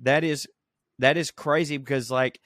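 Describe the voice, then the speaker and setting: A man's voice: mid-range voice, steady tone, moderate pace, fairly bright tone, no room sound, clean studio sound. Profane rambling man on a podcast. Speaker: podcast co-host. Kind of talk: casual comedic chat. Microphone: remote recording.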